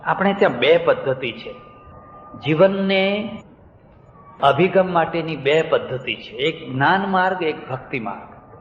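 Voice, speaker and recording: Older Gujarati swami, echoey hall. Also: male voice, on the high side, animated, measured pace, pauses often, a little hiss or hum. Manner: conversational storytelling, repeating phrases for emphasis. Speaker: swami giving a discourse. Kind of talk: storytelling sermon. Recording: echoey hall, dull lo-fi sound.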